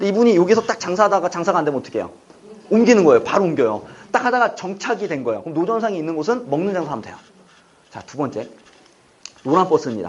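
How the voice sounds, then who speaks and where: Over noticeable background noise, a high-pitched man speaks at a very fast pace with very wide pitch swings, big swings in loudness, and long, frequent pauses. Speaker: author and cafe owner giving a guest lecture. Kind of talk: lecture. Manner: animated.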